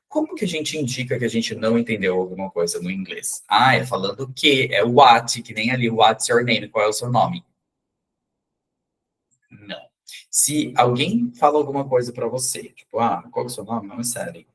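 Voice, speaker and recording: A man's voice: mid-range voice, fairly bright tone, breathy edge. A man teaching an English pronunciation class in a chatty, joking way, explaining sounds step by step. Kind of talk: casual online class.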